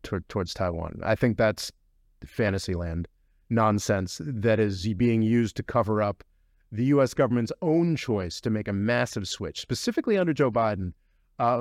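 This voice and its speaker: A man's voice: fairly low pitch, smooth, no echo, clean studio sound. A man hosting a podcast, giving long, rambling, opinionated explanations in casual talk. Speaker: podcast host.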